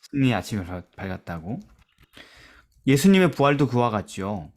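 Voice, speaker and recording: A man leading a church Bible study discussion, asking questions and reading verses aloud, trailing off softly at the ends of phrases. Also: very animated, moderate pace. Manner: asks questions and drops to a soft low voice at phrase ends; reads scripture aloud with emphasis.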